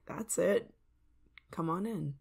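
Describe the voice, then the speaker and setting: A woman voicing an obsessive, controlling neighbor in an ASMR roleplay, soft-spoken and slipping into whispers with a sweet, creeping menace. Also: on the low side, extremely slow, gravelly, slightly rough, exaggerated voice. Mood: coaxing.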